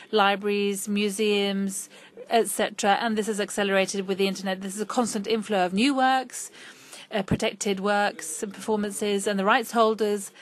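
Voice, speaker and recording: A woman interpreting a conference talk in real time, her pitch sitting in an ordinary middle range. She moves forward in bursts and stalls on fillers, restarting phrases as she catches up with the speaker. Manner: halting, frequent fillers and restarts. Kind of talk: simultaneous interpretation of a lecture.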